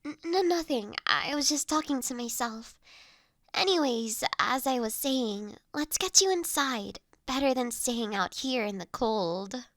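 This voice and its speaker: Woman acting a high-voiced, gentle young noblewoman. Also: animated, unhurried, dry recording. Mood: welcoming. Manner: soft-spoken, formal old-fashioned phrasing, solicitous. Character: gentle, courteous young noblewoman, doting new master of an automaton. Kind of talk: intimate roleplay audio drama addressed to the listener.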